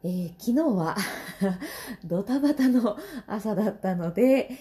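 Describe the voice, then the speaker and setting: A woman's voice: mid-range voice, animated, a little slow, dark tone. A woman in her thirties with a Kansai accent, hosting a casual solo podcast and laughing often between phrases. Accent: Kansai Japanese. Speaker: podcast host and vocal trainer.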